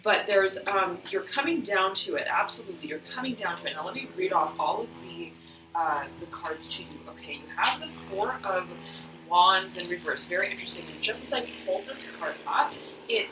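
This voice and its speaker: A woman giving a tarot reading, slightly hoarse and often clearing her throat. She meanders through restarts and fillers and keeps saying "I'm hearing.". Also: medium pitch, lively intonation, fairly quick, reverberant, far from the mic, noisy background. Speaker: tarot reader. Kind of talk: spiritual reading to camera.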